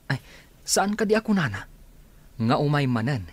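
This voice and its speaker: An actor playing a friendly village eatery owner who speaks humbly and politely. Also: male voice, on the high side, sing-song, moderate pace. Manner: deferential, says sir often. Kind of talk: Ilocano radio drama acting.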